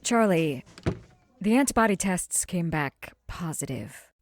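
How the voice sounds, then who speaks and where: A woman playing a concerned doctor in a naturalistic audio drama, measured and careful, gentle but firm. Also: lowish voice, expressive, no room sound. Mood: careful, grave. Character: concerned, tactful female physician.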